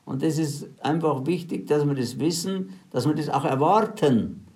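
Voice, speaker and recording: A man's voice: on the high side, moderate pace, darkish tone. A man preaching a sermon, retelling scripture stories in plain everyday words and urging his listeners on in faith.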